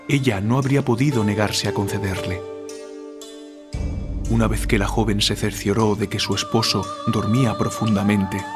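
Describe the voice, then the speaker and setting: A man's voice: fairly low pitch, close to an everyday voice. Man playing a tormented writer over prominent music. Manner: literary, measured, grave storytelling. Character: tormented male writer confessing eerie nightmares, guilt-ridden, fearful. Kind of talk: audiobook horror drama acting.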